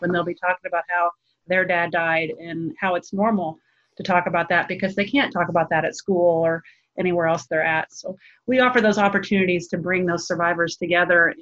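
A woman's voice: lowish voice, a bit bright, muffled recording. A woman being interviewed, explaining her organization's work in an earnest, fluent way. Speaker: nonprofit representative being interviewed. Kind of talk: interview talk explaining programs.

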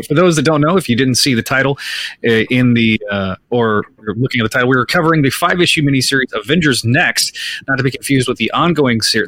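A man co-hosting a casual comics podcast, slightly croaky from a sore throat, rambling with many restarts. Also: mid-range voice, sharp tone. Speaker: podcast co-host. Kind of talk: casual live-streamed comics podcast chat.

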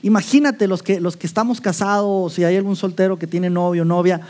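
Brief: Mexican Spanish pastor with a high, light male voice, preaching and asking rhetorical questions. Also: steady tone, a little fast, a little mellow. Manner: rhetorical questions, playful role-play asides. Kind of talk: sermon.

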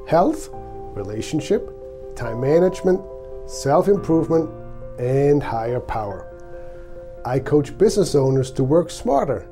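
A man with a Swiss accent reads his own coaching ad with a measured, promotional delivery. His voice sits a little high for a man. A loud guitar music bed plays under him. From Switzerland. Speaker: business and life coach. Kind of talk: scripted radio advert.

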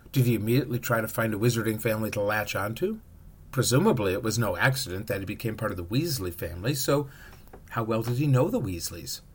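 A man hosting a podcast, giving a scripted narration in a measured, questioning manner. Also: on the low side, husky. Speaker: podcast host.

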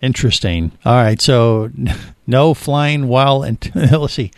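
A man's voice: medium pitch, a little slow, no echo, clean studio sound. Rambling middle-aged man co-hosting. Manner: rambling, filler-heavy, chuckling. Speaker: podcast co-host. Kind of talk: casual chat.

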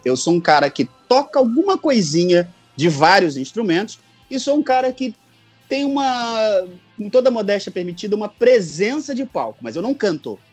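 A man with a Rio de Janeiro Brazilian accent, telling stories emphatically in a casual podcast chat, repeating phrases for effect, his voice slightly husky. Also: high-pitched, a little mellow. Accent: Rio de Janeiro Brazilian Portuguese. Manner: emphatic storyteller, repeats phrases and quotes others. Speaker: podcast guest, fan dubbing director and audio mixer.

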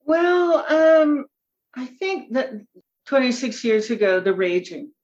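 A woman's voice: sits high, slow pace. A woman in her seventies talks as a guest on a podcast, jumping up in emphatic bursts. Her voice comes through slightly muffled and lo-fi. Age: 70s. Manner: animated, bursts of emphatic enthusiasm. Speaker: nutrition expert guest. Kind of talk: podcast conversation.

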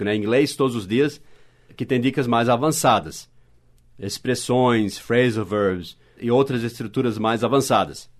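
A man with a Brazilian Portuguese accent teaching basic English on a podcast, explaining slowly and spelling words out letter by letter. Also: mid-range voice. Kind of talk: podcast lesson.

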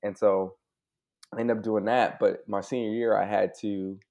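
A man's voice: lowish voice, level tone, normal speed, vocal fry, darkish tone. An American man from California and Hawaii talking casually and candidly about his own life as an interview guest, in an informal, open way with asides seeking agreement. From United States (born in Hawaii, grew up in California). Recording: dull, lo-fi audio.

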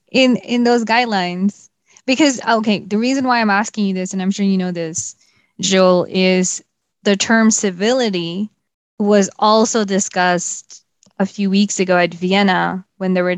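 A woman's voice: on the low side, clear, resonant tone, dry recording. A woman co-host from Pakistan talking in a casual panel discussion, hesitant with fillers and restarts. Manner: hesitant, many fillers and restarts, laughs often. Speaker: podcast co-host.

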